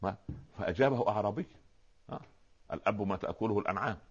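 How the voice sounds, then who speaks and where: A lower-pitched man with an Egyptian Arabic accent, talking very fast as he explains religious terms on a talk show. He keeps asking rhetorical questions to draw his listener in. The sound is dull and lo-fi. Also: husky. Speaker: Islamic preacher, guest scholar.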